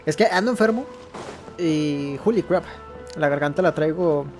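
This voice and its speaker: A man's voice: a little high, normal speed. A man with a Mexican Spanish accent giving casual, informal gameplay commentary in a hesitant way. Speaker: gaming video creator. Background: faint game music.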